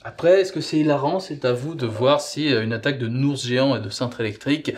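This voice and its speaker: A man's voice: mid-range voice, brisk. A man hosting a review show, chatting casually as he presents and gives his opinion. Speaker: host reviewing audio sagas.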